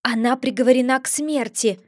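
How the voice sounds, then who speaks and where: A nervous white rabbit, speaking in a hushed, anxious voice, quick to take fright, as a woman reading a storybook puts him on. High-ish and dry. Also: no echo.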